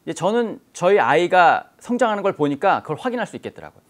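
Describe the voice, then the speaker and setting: Male lecturer, fairly high voice, patient and explanatory. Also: very animated, fast. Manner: explanatory, poses rhetorical questions. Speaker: language teacher. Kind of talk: exam-prep lecture.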